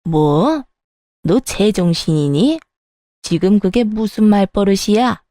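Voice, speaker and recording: A woman's voice: mid-range voice, lively intonation, slow, dark tone, no room sound, clean studio sound. A woman voicing a whiny, meddling older mother-in-law who wails and scolds, in storytelling with voiced dialogue. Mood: indignant. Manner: wailing and reproachful.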